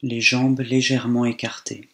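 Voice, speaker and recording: In a calm, unhurried manner, a man with a medium-pitched voice guides a body scan meditation. He leaves long pauses between his phrases.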